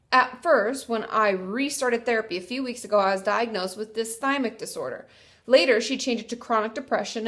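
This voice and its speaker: A young woman with a congested, stuffy voice, tired from a cold, talking casually as a therapist answering viewer questions. Her voice sits a bit higher than most, and her delivery is friendly and explanatory. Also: a bit bright. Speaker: therapist and video host. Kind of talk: casual advice talk to camera.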